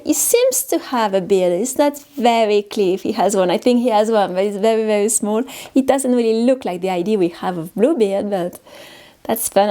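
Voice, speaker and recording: A woman from France with a French accent and French as her native language, hosting a casual, unscripted vlog in a halting way with repeated words and self-corrections. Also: mid-range voice, dark tone. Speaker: paper artist hosting a studio vlog. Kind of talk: casual, unscripted show-and-tell.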